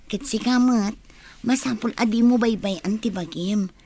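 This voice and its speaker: An actress playing a cheerful friend who teases and laughs in a family drama. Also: female voice, a little high, moderate pace, warm tone, slightly rough. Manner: teasing, laughing. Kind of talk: Ilocano radio drama acting.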